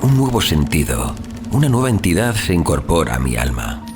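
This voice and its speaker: A deep male voice narrates a gothic horror story over clearly audible music. His delivery is solemn and theatrical, with widely swinging intonation that suits old literary prose. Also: sing-song, moderate pace. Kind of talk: dramatic scripted audiobook narration of a horror tale. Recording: music under the voice.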